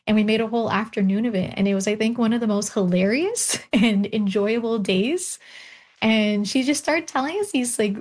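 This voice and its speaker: A woman historian, a guest in an interview, telling personal stories in an animated way with frequent laughter. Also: on the high side, moderate pace. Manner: warm, animated storytelling, laughs often.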